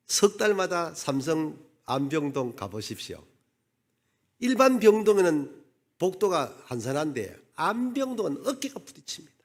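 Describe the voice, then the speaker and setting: Middle-aged pastor, voice swings way up and down, story-telling sermon. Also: male voice, on the high side. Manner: animated storyteller, acts out dialogue.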